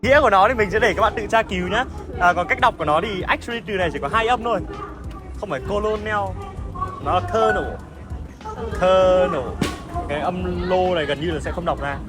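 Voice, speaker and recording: A young man hosting a pronunciation challenge, brisk and coaching. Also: high-pitched. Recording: loud music and crowd behind.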